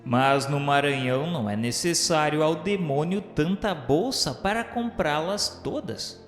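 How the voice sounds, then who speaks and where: A man's voice: on the high side, a little slow. Echoey, solemn male radio-drama narrator. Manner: formal, solemn storytelling. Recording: echoey reverb, faint music behind. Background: soft music.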